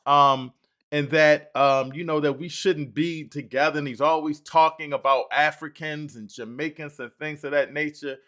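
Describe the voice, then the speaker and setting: A man's voice: a little high, fairly even intonation, normal speed, a bit bright. An older man hosting a podcast, talking loosely with many fillers and restarts. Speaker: podcast host. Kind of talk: casual interview talk.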